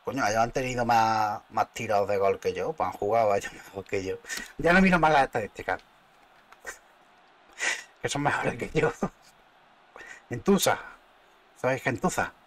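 A man with a Spain Spanish accent talks through his football match as he plays, his pitch leaping up and down with every chance. He mutters to himself, curses the bad luck and shouts at his players, a lively gaming streamer in full flow. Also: moderate pace, pauses often. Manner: excitable, muttering and cursing at the game. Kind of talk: live gameplay commentary.

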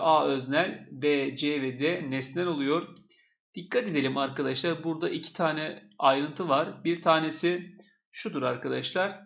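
Gravelly-voiced male teacher, steady and repetitive, talking through test questions, dull lo-fi sound. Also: a little high. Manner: explains step by step, repeats key points. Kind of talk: exam question walkthrough.

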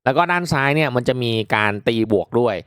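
A man's voice: mid-range voice, fast talker, clear, resonant tone, dry recording, studio quality. Casual man doing game commentary. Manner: excitable, reactive exclamations, polite particles to viewers. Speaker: gaming video host.

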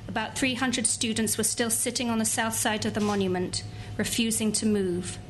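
A young woman, a translator, reading extracts from a novel aloud in a calm, even voice at a bookshop event. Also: a little high, moderate pace, a little hiss or hum. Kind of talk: literary reading. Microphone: table mic.

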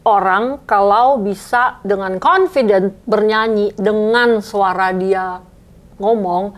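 A woman guest in a casual conversation, relaxed and easygoing, sprinkling English phrases into her talk. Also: mid-range voice, takes it slowly. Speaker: guest singer and vocal coach.

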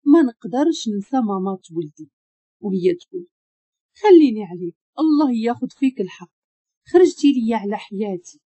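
Young husband figure voiced by a woman, Moroccan accent, soft insistent delivery, lively pitch, dry close sound. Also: a little fast, husky, dry recording. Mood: bitter. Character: possessive young husband, tender yet controlling.

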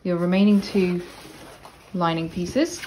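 A woman explaining sewing steps in a casual, chatty tutorial voice-over, with relaxed asides. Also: fairly low pitch, slow, slight background noise, poor audio. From Cornwall, England. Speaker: sewing instructor. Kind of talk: casual step-by-step tutorial narration.

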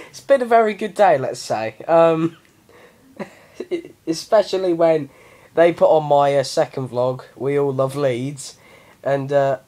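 Young male vlogger, improvised and rambling, very lively pitch. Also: rough recording. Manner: rambling, animated, with many ums and laughs. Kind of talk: improvised casual vlog. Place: bedroom.

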